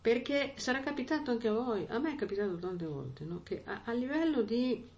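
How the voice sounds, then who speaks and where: A woman's voice: fairly high pitch, expressive, normal speed, darkish tone, muffled recording. A woman preaching a sermon in a conversational way, often checking in with her listeners with little asides.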